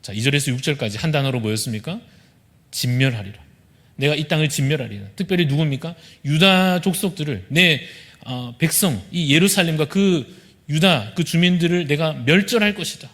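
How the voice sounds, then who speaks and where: Korean pastor with a Gyeongsang accent preaching. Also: male voice, on the high side, brisk, fairly bright tone. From Busan, South Korea. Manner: expository preaching, asks the congregation questions and answers them. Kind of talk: sermon. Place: church sanctuary.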